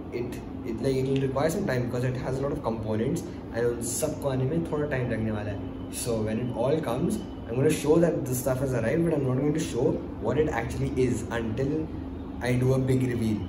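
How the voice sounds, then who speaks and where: A young man with a South Asian accent talks casually as a vlogger, mixing Hindi and English. His voice sits at an ordinary male pitch. The recording is echoey, with clear noise behind him. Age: young adult. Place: home rooms and a rooftop. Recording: roomy, echoey sound with background noise.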